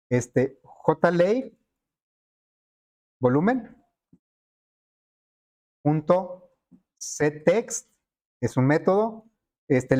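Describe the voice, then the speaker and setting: A man teaching a programming lesson over a screen recording, thinking aloud with many fillers and quick checks with his students. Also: fairly high pitch, dark tone.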